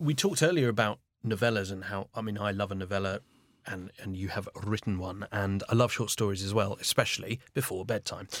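A man talks at a fairly quick pace in a fairly low voice with ordinary pitch variation, an ordinary speaking voice. The recording is very clean, the background silent. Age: 30s. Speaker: podcast host. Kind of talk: casual chat. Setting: studio.

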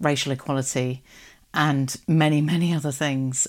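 A woman speaks in a very deep, low pitch. The recording is very clean, with a silent background. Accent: British. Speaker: podcast host and interviewer.

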